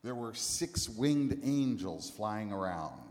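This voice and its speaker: A man preaching a sermon in a church, speaking in short phrases and pausing for an interpreter. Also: on the low side, animated, a little mellow. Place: church hall. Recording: long hall reverb.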